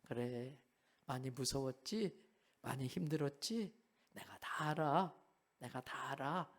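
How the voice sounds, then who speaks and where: A male pastor voicing a gentle, comforting male teacher who speaks in soft, hushed, tender words. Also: mid-range voice, measured pace, pitched below the performer's own voice, natural voice.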